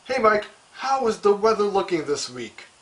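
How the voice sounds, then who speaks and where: A man's voice: sits high, very animated, moderate pace, a bit bright. A man playing a polished, reasonable, unbothered TV anchor in a news broadcast parody.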